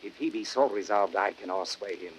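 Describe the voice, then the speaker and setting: A man's voice: lowish voice, brisk, husky. A man playing a blunt, confident Roman conspirator and courtier in emphatic, declamatory Shakespearean style. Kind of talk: classic Shakespearean radio acting. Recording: noisy old audiodrama record.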